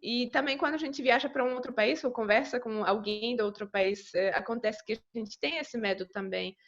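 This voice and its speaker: Casting: Polish woman, non-native speaker, fairly high voice, hesitant and thoughtful, muffled call. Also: moderate pace. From Poland. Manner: thoughtful, hesitant, many fillers. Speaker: guest, polyglot. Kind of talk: casual video-call interview. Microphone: video call.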